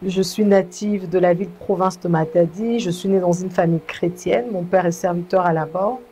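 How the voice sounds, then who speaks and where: A young woman from Congo speaks in a low, mellow voice, measured and earnest. She tells her story as an interview guest, pausing and restarting often. Faint noise sits under her voice. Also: fairly even intonation. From Congo (DRC). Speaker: guest, gospel singer. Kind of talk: testimony interview.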